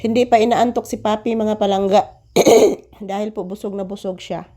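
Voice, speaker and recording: A woman's voice: medium pitch, steady tone, moderate pace. A woman vlogging casually from her living room, coughing from a cold and coaxing her child between remarks to viewers. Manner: talks softly to a child, coaxing. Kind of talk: casual home vlog.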